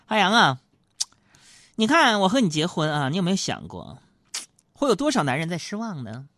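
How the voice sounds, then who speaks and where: A man's voice: high-pitched, wildly swooping pitch, normal speed, a bit bright, no room sound, studio quality, pitched above the performer's own voice, heavily acted. A man putting on the voice of his stingy, teasing wife, coaxing and mocking.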